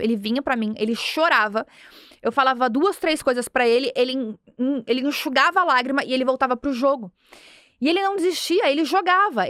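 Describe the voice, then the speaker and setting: A high-pitched woman from Brazil in her thirties tells a personal story as a podcast host. She speaks earnestly and with animation, slipping into the voices of the people in her story. The sound is dry and close, with no room echo. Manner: earnest, animated, acts out dialogue. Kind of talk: motivational storytelling.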